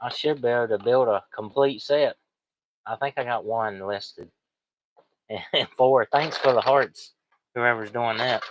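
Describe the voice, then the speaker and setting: A man talks at a medium pitch and a fairly slow pace, with long, frequent pauses. The sound is dry and close, with no echo. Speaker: online reseller livestream host. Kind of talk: casual livestream chat. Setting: livestream. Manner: animated.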